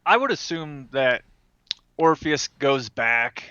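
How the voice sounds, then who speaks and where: A man's voice: medium pitch, lively intonation, slow pace, pushed and bright, clean tone, no room sound. A man chatting casually as a player in a tabletop game, heard over a lo-fi remote connection. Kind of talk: casual chat. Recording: dull, lo-fi remote audio.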